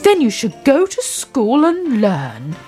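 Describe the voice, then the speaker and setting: A woman's voice: a little high, wildly swooping pitch, slow pace, dark tone, faint music behind, exaggerated voice. A woman voicing a stern but kindly male farmer who speaks in a scolding tone.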